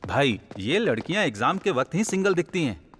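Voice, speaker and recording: A man's voice: a little high, big pitch swings, a little fast, a bit bright, a little hiss or hum. An actor dubbing a lazy, failing male college student who mumbles sheepish excuses. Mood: joking. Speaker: dub voice actor. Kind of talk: Hindi film dub.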